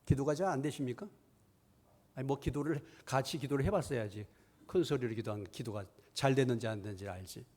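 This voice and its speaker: A middle-aged man preaching a sermon as pastor in a church, asking rhetorical questions and moving between hushed asides and raised, emphatic lines. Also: mid-range voice, fast. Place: church sanctuary.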